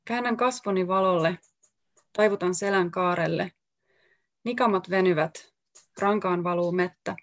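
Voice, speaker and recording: Woman author, low and gravelly, gives a poetry reading in measured short phrases, dry close sound. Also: dry recording. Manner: slow, deliberate recitation of short lines. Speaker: author reading her own work.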